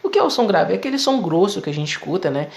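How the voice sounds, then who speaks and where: A man's voice: sits high, big pitch swings, rapid-fire, gravelly. A man teaching physics in a video lesson, explaining step by step in a conversational way with frequent tag questions.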